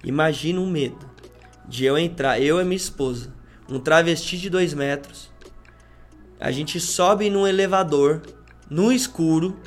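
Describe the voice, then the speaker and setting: A man guests on a podcast and tells a story with lots of slang, acting out what each person said. His voice sits a little high. Soft music plays faintly behind him. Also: a little slow. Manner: slangy, peppers speech with "cara" and "mano"; acts out quoted dialogue in changing voices. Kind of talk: animated storytelling in casual chat.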